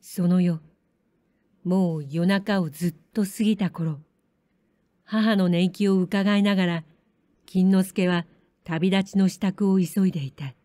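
Calm woman reading a period story. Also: fairly low pitch, a little slow, long pauses, no echo. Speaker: audiobook narrator. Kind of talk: scripted narration of a period story.

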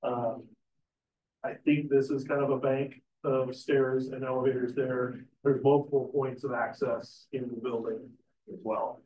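A man's voice: medium pitch, level tone, unhurried, slight background noise. Man presenting for a developer, casual and filler-heavy; muffled, distant, echoey recording. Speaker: developer representative. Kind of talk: answering public questions.

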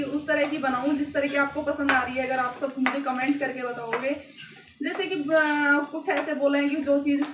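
A woman with a fairly high voice chats to her viewers while she cooks, talking through every step in a loose, filler-heavy way. The home recording is echoey, with pots and dishes clattering behind her. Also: background noise. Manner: chatty, talks to viewers while cooking, frequent fillers. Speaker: vlogger. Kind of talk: casual cooking vlog narration. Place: home kitchen and rooftop.

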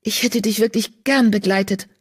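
A woman's voice: fairly even intonation, normal speed, a little mellow, breathy edge, natural voice. A woman voicing an anxious, guilt-ridden young female medicine cat in an audiobook, pleading and distressed. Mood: resolved. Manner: pleading, distressed, voice raised high. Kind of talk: audiobook character voice.

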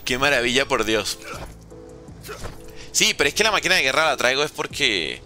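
A man's voice: medium pitch, very animated, moderate pace, sharp tone, soft background music. A man streaming live gameplay, commenting and joking playfully with chat while using Mexican slang. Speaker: gaming streamer.

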